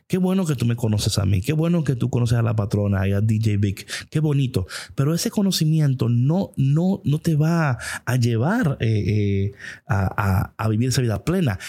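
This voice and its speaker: A male preacher delivers a heartfelt devotional message in a conversational, passionate manner, now and then slipping English words into his speech. His voice is dark and mellow with a husky edge. He talks straight to the listener, as if in close conversation. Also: medium pitch. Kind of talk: devotional sermon.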